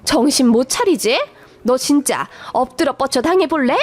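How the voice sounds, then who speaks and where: A woman's voice: sits high, expressive, normal speed, faint music behind. A woman voicing a domineering middle-aged mother-in-law who scolds and threatens in a radio story. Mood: furious.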